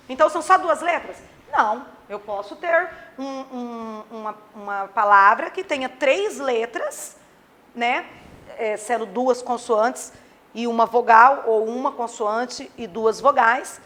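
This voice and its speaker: A woman's voice: a little high, a little slow, a bit bright. A woman teaching a grammar lesson to children, acting out her pupils' questions herself. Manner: plays imagined pupils' questions.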